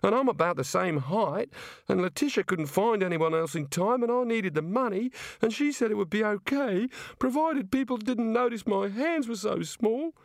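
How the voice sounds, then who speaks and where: A man's voice: high-pitched, lively intonation, normal speed, dry recording, clean studio sound, voice pushed up. A man voicing a weepy, polite young woman. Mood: tearful.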